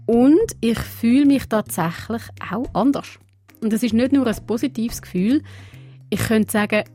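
A woman whose first language is Portuguese, narrating a radio feature in a lively storytelling manner. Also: medium pitch. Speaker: radio reporter and presenter. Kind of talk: scripted narration with reportage.

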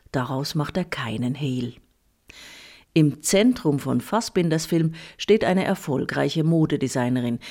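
A woman's voice: deep voice, warm tone. Woman reading her film review off a script, radio style. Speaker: film critic.

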